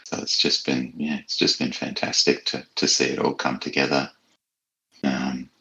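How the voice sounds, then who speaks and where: A man with an exceptionally deep voice talks casually as a guest writer in an interview. He is reflective and appreciative, a little hesitant as he forms his thoughts. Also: flat delivery, normal speed, gravelly, bright, forceful tone, low-quality recording.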